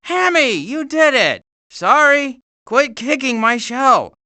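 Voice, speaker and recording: A man voicing a fretful, long-suffering turtle in an animated video game. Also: extremely high pitch, takes it slowly, full character voice. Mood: agitated. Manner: fretful, exasperated, hesitant.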